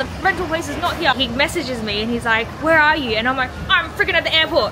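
Crowd noise fills the background as a woman talks at a very fast pace. Her voice is raised and projected. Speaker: travel vlogger. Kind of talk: casual vlog chat. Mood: amused, storytelling. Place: station. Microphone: phone near.

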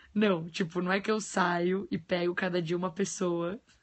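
A woman's somewhat breathy, animated voice over a quiet background. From Brazil. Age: 20s. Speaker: entrepreneur and online educator. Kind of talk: casual livestream chat with viewers. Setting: live phone stream. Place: home room. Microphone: phone near.

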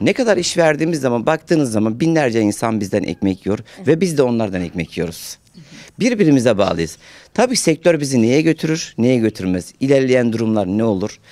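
A man talks at a fairly quick pace with very wide pitch swings. The sound is dry with no echo, and the background is quiet. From Adıyaman, southeastern Turkey; Turkey. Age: 40s. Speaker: curtain business owner. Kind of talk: interview. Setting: in a shop. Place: office. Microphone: handheld.

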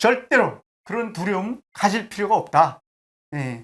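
A man speaks at a very slow pace. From North Korea. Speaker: North Korean defector, former missile unit soldier. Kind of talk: interview.

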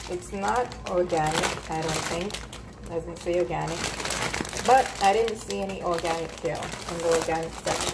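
A woman's moderate pace broken by long, frequent pauses, with loud background noise. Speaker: home cook vlogger. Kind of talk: casual vlog chat. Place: kitchen. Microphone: phone near.

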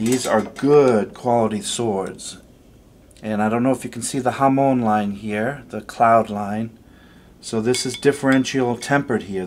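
A normal speaking voice moves at a fairly slow pace. Its pitch varies in an ordinary way. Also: man. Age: 50s. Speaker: martial arts instructor. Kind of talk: tutorial. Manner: casual.

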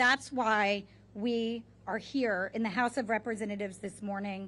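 A woman talks at a moderate pace. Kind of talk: press conference speech. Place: street. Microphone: podium.

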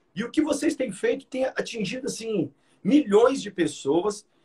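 A man talks at a fairly slow pace. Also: quiet background. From Brazil. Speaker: youth pastor. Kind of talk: casual chat. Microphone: video call.

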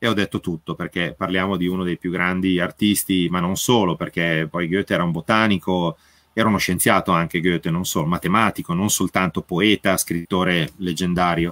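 Over a quiet background, a man talks at a fairly quick pace in a very deep, low voice with monotone, flat intonation. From northern Italy, Monza (Lombardy); Lombardy, Italy. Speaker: writer and translator; guest. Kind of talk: interview conversation. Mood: reflective, engaged. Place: home room.

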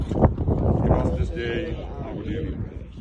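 A man's voice against loud background noise. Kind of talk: prayer. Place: open country. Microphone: camera far.

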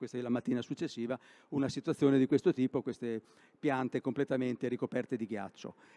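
A man's dark, mellow tone at a very fast pace. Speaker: agricultural irrigation researcher; presenter. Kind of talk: technical presentation. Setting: stage with audience. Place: hall.

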